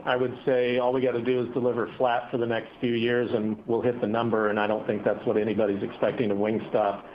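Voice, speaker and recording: A man speaking as a company executive, answering analysts on an earnings call in measured corporate phrasing with hesitant pauses. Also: medium pitch. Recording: dull, noisy conference call audio.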